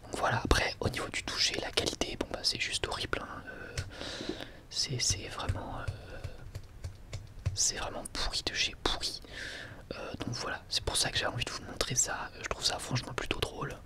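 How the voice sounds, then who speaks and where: An ASMR host whispering a casual, drily ironic product presentation in a hesitant, conversational way. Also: moderate pace.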